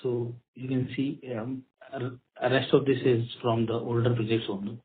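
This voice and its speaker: An Indian-accented man, a company executive, explaining in a halting way as he answers questions on an earnings call. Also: medium pitch, little pitch movement, slightly rough. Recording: tinny phone line with clicks and noise.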